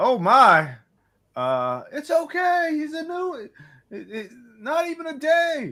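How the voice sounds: In a put-on character voice, a man talks fairly slowly with an extremely high pitch, a raspy sound, and long, frequent pauses.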